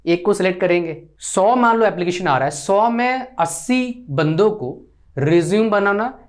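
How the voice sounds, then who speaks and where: Earnest Indian man giving career advice. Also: fairly high pitch. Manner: earnest, lecturing, addresses viewers as brother. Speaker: career counsellor. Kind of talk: direct-to-camera advice talk.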